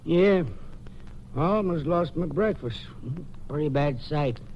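Chatty homespun ranch hand, highish voice, old radio western, dull lo-fi sound. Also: male voice, slow. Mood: plain-spoken. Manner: homespun, plain-spoken, chatty. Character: easygoing, folksy male ranch hand. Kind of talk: 1950s western radio drama acting. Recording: dull, noisy old-time radio recording.

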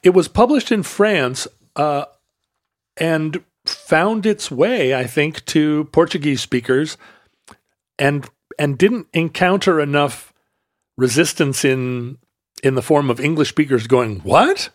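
Man talking in halting restarts. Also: a little high, dry recording, studio quality. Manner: halting, many restarts and fillers. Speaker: podcast co-host. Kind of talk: casual conversation.

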